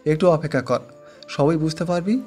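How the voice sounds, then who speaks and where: A man's voice: a little high, moderate pace, a little mellow, lightly acted. A man playing a threatening, protective older-brother mafia boss in an audio story, speaking with commanding authority. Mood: menacing. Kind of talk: Bengali audio story voice acting. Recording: music under the voice.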